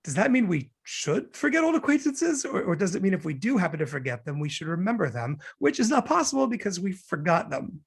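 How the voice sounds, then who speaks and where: A man's voice: high voice, sing-song, fairly quick, gravelly, hardly any pauses, husky, full character voice. A man reading the part of a wry, neurotic man in love in a romantic comedy script. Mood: puzzled, musing. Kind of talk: script table read. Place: virtual call from home.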